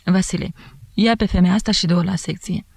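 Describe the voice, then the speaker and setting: A woman voicing a cautious middle-aged jeweler who speaks in a measured, earnest way. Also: lowish voice, steady tone, vocal fry, darkish tone.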